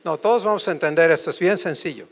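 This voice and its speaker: A man preaching a sermon, asking the congregation quick questions. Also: a little high, breathy edge. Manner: animated, quizzes the audience with quick questions.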